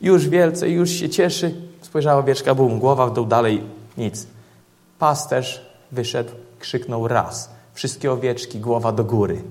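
A man preaching a sermon to a church congregation, telling vivid stories to illustrate his points in an earnest, measured way. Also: medium pitch, darkish tone.

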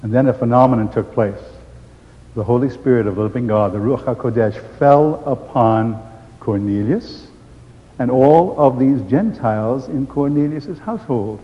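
An older man giving an animated storytelling testimony, acting out the voices he quotes. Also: mid-range voice, normal speed. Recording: dull sound with long hall reverb.

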